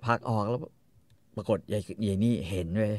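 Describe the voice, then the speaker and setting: A man casually retelling a story, crude and animated, acting out the characters. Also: lowish voice, normal speed, no echo.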